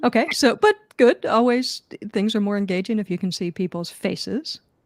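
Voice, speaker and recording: This woman talks at a moderate pace in a fairly high voice with ordinary pitch variation. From Philadelphia, US. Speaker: comedian and copywriting reviewer. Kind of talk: casual live-stream chat. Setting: live stream from home office.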